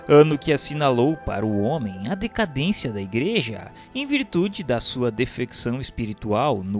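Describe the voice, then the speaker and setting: Solemn Brazilian male narrator over music. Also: mid-range voice. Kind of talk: solemn scripted narration of a religious text.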